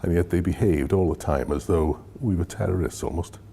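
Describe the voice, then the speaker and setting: Very deep-voiced man in his sixties. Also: brisk, vocal fry, mellow, a little hiss or hum. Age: 60s. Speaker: interviewee, former police officer. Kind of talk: documentary interview.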